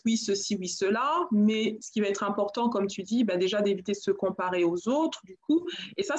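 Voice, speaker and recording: A French woman hosting a live chat show, talking in a lively, encouraging way and mixing in English phrases. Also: mid-range voice, muffled recording. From France. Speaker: host.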